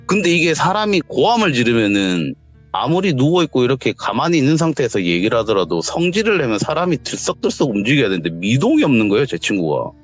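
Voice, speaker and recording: A man's voice: mid-range voice, fast. A man casually telling a true ghost story, acting out the voices in the dialogue he recounts. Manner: animated, acts out the voices in quoted dialogue. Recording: dull lo-fi audio with faint background music.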